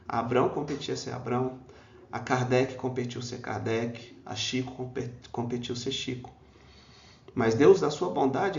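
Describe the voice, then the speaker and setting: A Brazilian man gives a spiritist public talk with a slightly gravelly, mid-pitched voice. He speaks in a conversational way, often tags lines with "né?", and acts out the people he quotes. The recording is echoey and dull, as if captured in a lecture hall. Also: a little mellow. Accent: Brazilian Portuguese.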